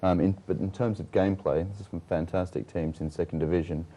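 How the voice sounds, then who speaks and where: A man's voice: low-pitched, fairly even intonation, a little fast, dark tone. A man with an Australian accent, a football team guest chatting casually in a studio with easygoing fillers. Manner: easygoing, explaining with fillers and restarts.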